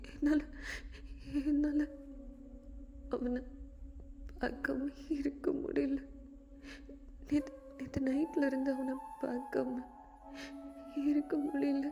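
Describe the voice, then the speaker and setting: A woman's voice: high-pitched, steady tone, slow pace, creaky, long pauses, warm tone, slight background noise, heavily acted. A woman voicing a heartbroken young man who stammers and pleads through tears. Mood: desperate. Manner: pleading, stammering, repeating himself. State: crying.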